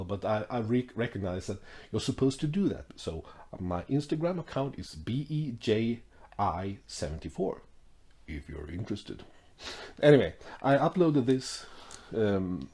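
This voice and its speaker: A man's voice: on the low side, darkish tone. A man in his forties, a record collector chatting unhurriedly in a casual vlog with many fillers and restarts. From Sweden. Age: 40s.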